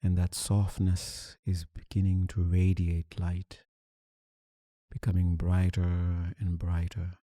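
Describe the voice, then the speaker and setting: A man leading a guided meditation, calm and soothing, speaking in deliberate short phrases with long pauses. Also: deep voice, no room sound, studio quality. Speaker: meditation teacher.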